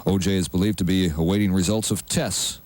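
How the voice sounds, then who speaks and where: A man's voice: deep voice, fairly even intonation, fairly quick, a little mellow. A man working as a morning radio co-host and newsreader. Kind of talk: news reading and banter.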